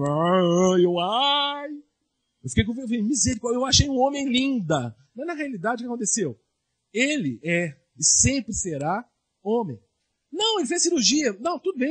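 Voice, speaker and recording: Male pastor, sermon delivery; high, husky voice, lively rhetorical questions.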